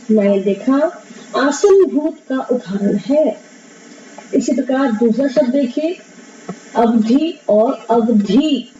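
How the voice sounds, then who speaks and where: High-voiced woman teaching in a roomy, lo-fi recording. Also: warm tone, far from the mic, a little hiss or hum. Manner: explains slowly, repeats terms, asks and answers own questions. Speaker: Hindi teacher. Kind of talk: classroom lesson.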